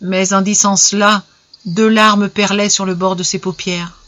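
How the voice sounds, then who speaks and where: A narrator reading an old story aloud in a measured, expressive way. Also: mid-range voice, dry recording, highs cut off.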